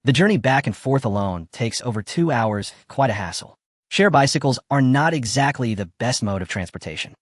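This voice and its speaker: A man's voice: mid-range voice, expressive, normal speed, dry recording, close to an everyday voice. A man voicing a sarcastic, aloof male black cat, needling his owner in a dry, close recording.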